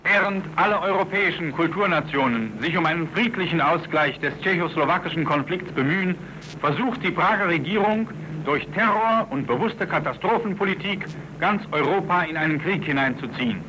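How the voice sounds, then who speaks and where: A man's voice: on the high side, expressive, brisk, sharp tone, rough recording. A man reading emphatic, declaiming propaganda commentary for an old newsreel. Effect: old newsreel soundtrack. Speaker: newsreel announcer. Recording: hissy old newsreel recording.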